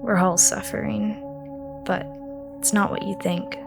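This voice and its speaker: A woman playing a solemn, knowing, ghostly aunt in an audio drama, speaking in a measured, cryptic way. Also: medium pitch, level tone, gravelly, over music. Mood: cryptic warning.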